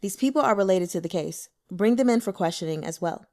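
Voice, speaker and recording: A woman's voice: mid-range voice, expressive, fairly quick, darkish tone, natural voice. A woman voicing a domineering male official who gives curt orders in an audiobook. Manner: curt, commanding.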